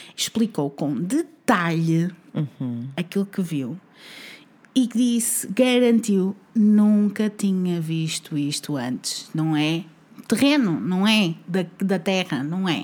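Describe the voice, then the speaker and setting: Woman in a European Portuguese accent at a very slow pace with very wide pitch swings, in a very clean recording with a silent background. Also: medium pitch for a woman. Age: 20s. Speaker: podcast host. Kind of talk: casual storytelling chat.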